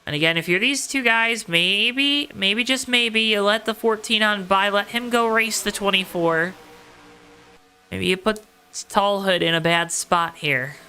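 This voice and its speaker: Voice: medium pitch, measured pace, pushed and bright, a little hiss or hum, rough recording. A motorsport commentator calling a race live, with dramatic, emphatic repetition and colorful phrasing. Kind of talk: live play-by-play racing commentary.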